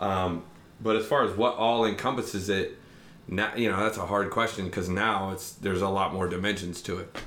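A man with an American accent speaks at a moderate pace, using a fairly low pitch and monotone, flat intonation. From Ohio, US Midwest. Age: 30s. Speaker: rapper. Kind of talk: casual chat. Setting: studio.

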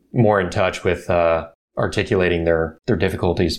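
Speaking with an unremarkable speaking voice, a man keeps a moderate speed and ordinary pitch movement. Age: 30s. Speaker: creative video maker. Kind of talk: casual chat.

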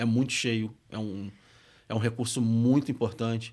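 In a very clean recording with a silent background, a man talks at a medium pitch in a flat monotone with a Rio de Janeiro accent. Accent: carioca. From Rio de Janeiro, Zona Norte. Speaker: rideshare driver. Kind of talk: casual chat. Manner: quiet.

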